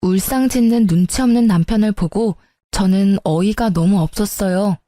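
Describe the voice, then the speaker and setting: A woman's voice: mid-range voice, moderate pace, warm tone, dry recording, studio quality. A woman narrating a first-person story for story radio, telling it with indignation.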